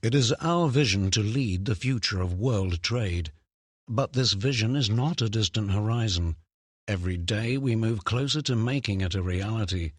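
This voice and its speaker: A man's voice: on the low side, moderate pace, no echo. A man delivers scripted voice-over narration for commercials and documentaries. His voice has some husk to it, and the recording is dry and close, without room sound. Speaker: voice-over artist.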